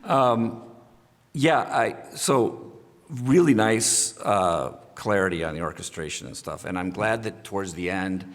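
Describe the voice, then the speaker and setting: A man's voice: sits low, a little slow, long reverb tail. A man on a judging panel giving rambling, casual feedback on a music piece, full of restarts. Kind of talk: casual spoken critique.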